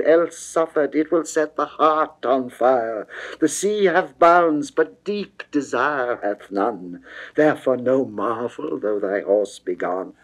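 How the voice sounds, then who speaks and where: A man voicing a lovesick goddess who pleads softly and poetically in a classical mid-century verse reading. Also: mid-range voice, voice pushed up, poor audio. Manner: soft, beseeching, poetic verse delivery. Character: lovesick pleading goddess wooing a reluctant youth.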